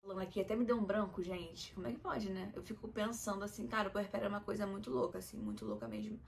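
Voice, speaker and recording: A woman's voice: mid-range voice, steady tone, very fast, gravelly, a little hiss or hum. A young adult woman with a Brazilian Portuguese accent, talking candidly and emotionally to her viewers in a personal vlog. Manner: emotional, confiding, addresses viewers as "gente". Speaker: vlogger.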